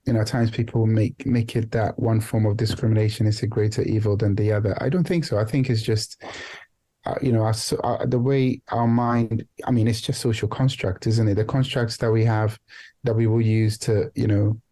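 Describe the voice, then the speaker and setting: A man reflecting in a podcast interview as a guest, speaking haltingly, repeating and rephrasing his phrases and often adding "you know". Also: on the low side, fairly even intonation, warm tone. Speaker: guest, founder and CEO of a non-profit organization.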